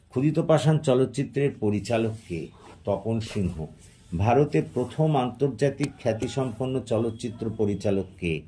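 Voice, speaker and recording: A male teacher reading out exam questions and their answers in a steady question-and-answer dictation. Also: lowish voice.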